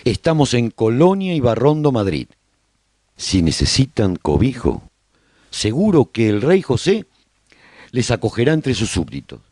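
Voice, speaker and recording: A man playing a proud, hopeful survivor in a radio drama, narrating his colony's story as a broadcaster in measured phrases. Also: mid-range voice, wildly swooping pitch, darkish tone, no echo, clean studio sound. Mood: solemn, welcoming.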